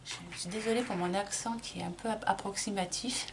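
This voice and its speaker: Speaking a little fast at a medium pitch with a steady tone and vocal fry, a middle-aged makeup vlogger chats her way through a tutorial. She explains each step as she applies it, with plenty of small restarts and fillers, and there is slight background noise.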